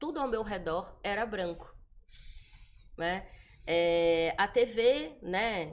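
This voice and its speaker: A woman speaks with a Rio de Janeiro accent. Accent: carioca, hissing S. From Brazil, Rio de Janeiro (carioca). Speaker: children's book author. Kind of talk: interview.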